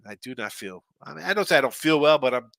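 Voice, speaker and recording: A man's voice: fairly high pitch, quick pace, creaky, no room sound. A man hosting a sports betting podcast, chatting loosely with viewers and talking through picks, his nose stuffed and congested. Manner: loose, chatty, animated, with frequent fillers. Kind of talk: casual chat reading viewer comments.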